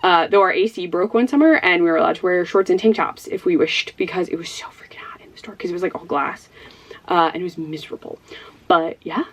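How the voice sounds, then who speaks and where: A young woman from Ohio, speaking with a Midwestern American accent, chats casually to camera as a book vlogger. Her lowish voice moves at a quick pace as she rambles and giggles, using lots of fillers.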